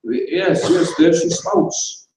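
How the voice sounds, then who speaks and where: A man voicing a timid, lovestruck young gentleman, stammering and polite, in a comic story reading. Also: high voice, huge pitch swings, extremely slow, a little hiss or hum, pitched above the performer's own voice, exaggerated voice. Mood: nervous. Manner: stammering, hesitant, politely evasive. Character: timid, dithering, lovestruck young upper-class Englishman. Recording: roomy echoing hall, distant microphone.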